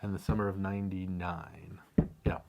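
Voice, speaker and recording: A man's voice: deep voice, fairly even intonation, normal speed, creaky, highs cut off, background noise. A man with an American accent in casual, jokey conversation as a co-host reading out viewer questions. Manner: self-deprecating, jokey. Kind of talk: casual chat.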